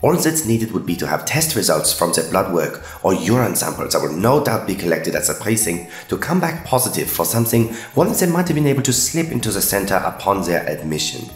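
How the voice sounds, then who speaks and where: A man plays an eager, scheming doctor in an audio drama. His low, lively voice is precise and clinical. It rings in a roomy space over faint music. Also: fairly quick, hardly any pauses. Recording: echoing room with music behind.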